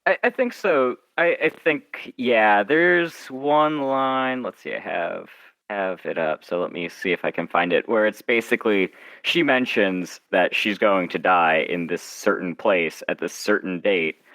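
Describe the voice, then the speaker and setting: A man's voice: lowish voice, a little slow, a bit bright, dry recording. A man interviewed as a writer, chatting casually and explaining things in a wry, self-interrupting way.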